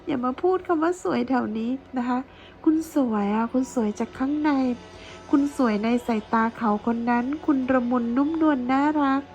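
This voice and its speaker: A woman's voice: high voice, darkish tone, low-quality recording. A woman giving a chatty tarot reading to her viewers, playful and gushing, full of teasing praise. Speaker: tarot reader.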